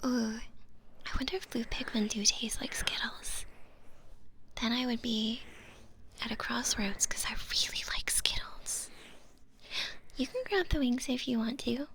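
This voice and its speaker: A young woman whispering softly and playfully as an ASMR livestream host, close to the microphone, with frequent giggles. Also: fairly high pitch, unhurried, long pauses. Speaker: ASMR streamer.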